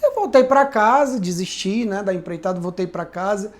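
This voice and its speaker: A pastor in a podcast conversation shares his life story earnestly and reflectively, regularly checking in with tag questions. He talks at a normal speed in a high-sitting, expressive voice.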